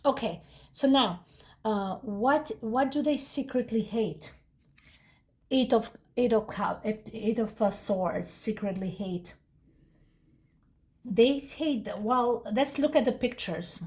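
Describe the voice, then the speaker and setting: Chatty higher-voiced woman reading tarot. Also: slow, darkish tone. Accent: non-native English. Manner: rambling, frequent restarts and asides. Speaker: tarot reader. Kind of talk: casual tarot reading monologue.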